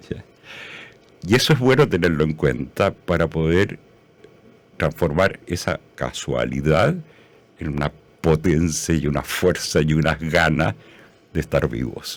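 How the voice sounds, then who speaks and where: A man's very deep, low voice with vocal fry, fairly slow pace, long, frequent pauses and ordinary pitch variation. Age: 70s. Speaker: poet. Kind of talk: interview. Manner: hesitant, many fillers.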